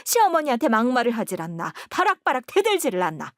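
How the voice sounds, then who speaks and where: A woman voicing a spiteful older mother-in-law who scolds loudly and accuses. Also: sing-song, fast talker, dry recording, studio quality. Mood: furious. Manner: shrill, accusing, loud scolding.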